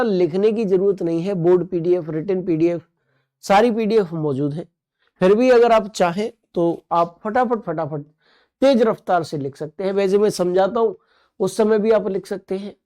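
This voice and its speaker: A man leads an online exam-prep lesson in a high but mellow voice. He jokes along with students' comments, then drills terms by repeating them and asking quick questions. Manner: playful, joking with students' comments. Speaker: teacher.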